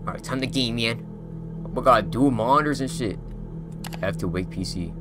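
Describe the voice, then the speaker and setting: A young man giving casual, profane commentary as he plays a horror game, often breaking into loud yelps and swearing at what happens on screen. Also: medium pitch, normal speed, over music. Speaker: gaming YouTuber.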